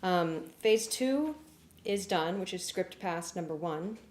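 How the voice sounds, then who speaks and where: Woman, lowish voice, livestream host, casual chat, halting and informal, echoey room. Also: animated, a little mellow. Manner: informal, halting, thinking aloud. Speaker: livestream host and music arranger. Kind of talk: casual livestream chat, explaining work progress. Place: warm indoor room. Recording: roomy echo, clear background noise.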